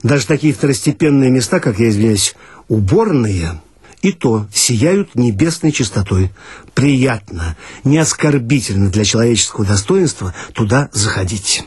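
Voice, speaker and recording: A man's voice: medium pitch, lively intonation, moderate pace, a little mellow, slightly rough, no echo. A man reading a comic story aloud with ironic, mock-serious narration. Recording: dry archival radio recording.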